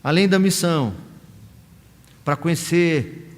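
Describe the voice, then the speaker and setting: A Brazilian man preaches a sermon in a fairly high voice. He pauses often and acts out brief quoted lines. A long church reverb trails his words. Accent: Brazilian Portuguese. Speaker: pastor. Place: church sanctuary.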